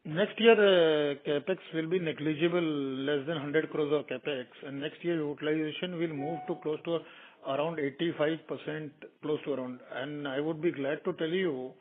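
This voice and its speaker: A man with an Indian accent answering as a company executive on an earnings call, wordy and halting, often repeating his phrases. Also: a little high, fairly even intonation. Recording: tinny narrowband phone line.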